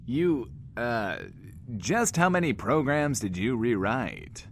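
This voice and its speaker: An actor playing a vain, playful post-apocalyptic radio host in an audio drama, grandiose and coy, often speaking of himself in third person. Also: male voice, medium pitch, very animated, takes it slowly, over music. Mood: flustered, coy.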